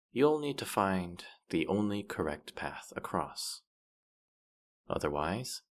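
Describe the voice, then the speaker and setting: A man's voice: sits low, heavily acted. A man playing a playful, boastful demon guide to the afterlife in a roleplay audio drama, with a smug, teasing, theatrical delivery. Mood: mock solemn.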